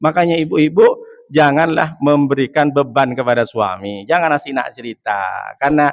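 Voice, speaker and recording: A male preacher giving a joking, lively sermon, asking the audience questions and rising in emphatic bursts. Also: medium pitch, normal speed, gravelly, no room sound. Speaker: preacher, ustadz. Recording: dull, dry lo-fi sound.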